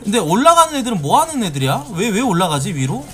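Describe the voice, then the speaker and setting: A man streaming a game live, talking casually and yelling and swearing at it. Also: sits high, fast. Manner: excitable, swears and yells at the game.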